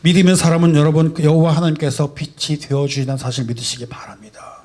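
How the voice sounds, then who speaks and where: A male pastor preaching a sermon, asking rhetorical questions and swinging between soft and loud emphasis. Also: a little high, little pitch movement, fast talker. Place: church sanctuary.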